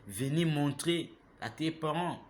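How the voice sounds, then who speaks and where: A man, giving an impassioned, preachy monologue that keeps turning to the listener with "hein?" and grows loud and heated. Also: a little high, animated, slow. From Gabon. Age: 30s. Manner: preachy, repeats himself, asks listeners "hein?". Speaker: vlogger.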